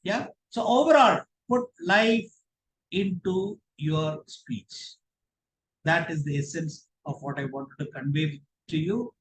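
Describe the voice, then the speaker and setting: A man with an Indian accent teaching a public speaking workshop in a deliberate, instructive and emphatic way. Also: fairly high pitch, a little hiss or hum. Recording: roomy, echoing voice pickup.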